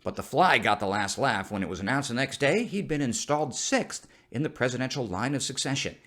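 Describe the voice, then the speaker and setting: A man's voice: mid-range voice, lively intonation, a little fast, fairly bright tone. A man hosts a scripted news satire in the style of a parody news anchor. His mid-range voice moves up and down with lots of animation as he delivers comic commentary. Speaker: satirical news show host.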